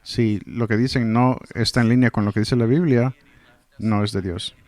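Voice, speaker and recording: A man's voice: fairly low pitch, steady tone, normal speed, a little mellow, dry recording. A man delivering a verse-by-verse sermon in translation, earnestly reading scripture and explaining it. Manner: earnest, explanatory, reads scripture then comments. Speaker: Spanish translator of a pastor's sermon.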